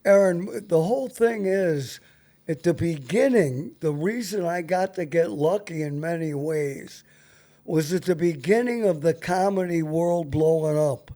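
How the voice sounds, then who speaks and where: Slow, high-voiced older man, mellow tone. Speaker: veteran radio host. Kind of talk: casual reminiscing.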